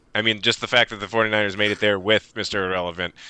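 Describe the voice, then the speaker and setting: A man with a plain, everyday voice and an American accent speaks at a fairly low pitch with ordinary pitch variation. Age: 40s. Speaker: sports writer. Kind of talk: casual chat.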